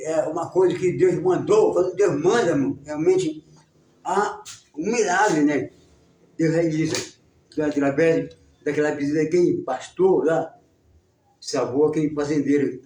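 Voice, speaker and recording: A man teaching a church class, telling a story in a casual, halting way with many repetitions. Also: a little high, dark tone. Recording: roomy sound, distant mic.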